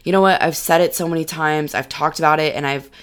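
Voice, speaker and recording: A young woman hosting her own podcast as a lifestyle coach, hoarse from losing her voice, chatting warmly and encouraging listeners directly. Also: deep voice, fairly even intonation, fast talker. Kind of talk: solo podcast monologue. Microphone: studio podcast mic.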